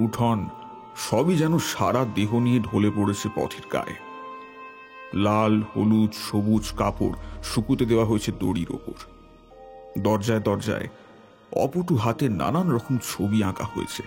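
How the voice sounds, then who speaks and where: A man narrating a scripted horror tale in the first person, with measured, literary storytelling. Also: on the low side, gravelly, a little mellow.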